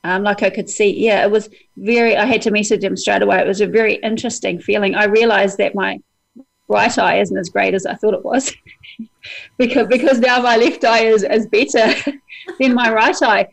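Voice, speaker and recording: A woman's voice: medium pitch, fairly even intonation, moderate pace, gravelly, low-quality recording. A woman with a New Zealand accent, guest on an interview, telling a story earnestly with many hesitations. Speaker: hypnotist guest.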